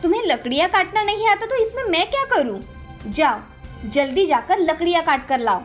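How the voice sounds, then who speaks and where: A woman voicing a harsh, bossy stepmother who scolds and taunts in an animated storybook. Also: very high-pitched, fairly quick, soft background music. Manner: bossy, taunting, snapping orders.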